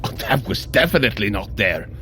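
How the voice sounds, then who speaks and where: An actor playing a hearty, plain-spoken warrior god in an audio drama, with a deliberate, formal, bluntly skeptical manner. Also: male voice, on the low side, very animated, bright, forceful tone, a little hiss or hum. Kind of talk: scripted audio drama acting.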